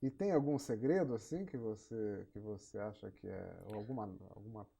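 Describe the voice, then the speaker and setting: A man's voice: on the low side, normal speed, vocal fry, warm tone, slightly rough, highs cut off. A man with a Brazilian accent interviewing, asking short follow-up questions. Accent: Brazilian Portuguese. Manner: brief prompts and follow-up questions. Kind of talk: oral history interview.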